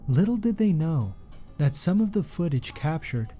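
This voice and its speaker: Guy narrating a sports doc, mellow low-key tone, soft music under him. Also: very animated, moderate pace. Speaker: documentary narrator. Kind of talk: scripted documentary narration.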